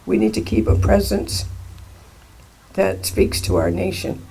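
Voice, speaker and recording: An older man giving a heartfelt, earnest public address at a rally in a deliberate way. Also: fairly low pitch, very animated, gravelly, dark tone, husky. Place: outdoor rally. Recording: noisy outdoor event recording.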